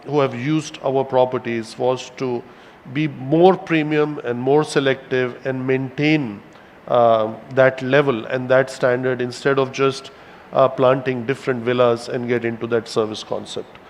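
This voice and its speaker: A man giving a corporate investor presentation as a company executive, speaking in a measured, halting way with emphatic stretched words. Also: medium pitch, fairly even intonation, slight background noise. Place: hotel event hall with audience present. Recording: reverberant hall sound.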